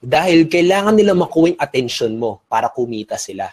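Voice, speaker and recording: A man's voice: a little high, big pitch swings, quick pace, a little mellow. A man from the Philippines giving a webinar lecture on online business, full of energy and often checking in with rhetorical questions, switching between Tagalog and English.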